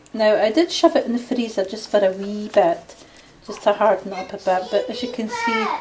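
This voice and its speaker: Noticeable background noise sits behind a woman with a Scottish accent who speaks at a moderate pace, with a fairly high pitch and lively intonation. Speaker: home video maker. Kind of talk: tutorial. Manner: casual.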